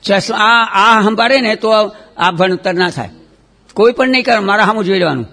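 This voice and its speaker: A man teaching children a religious lesson, chanting terms loudly for them to repeat, then dropping to quick, quiet scolding. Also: high voice, animated, gravelly. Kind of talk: call-and-response chanting lesson.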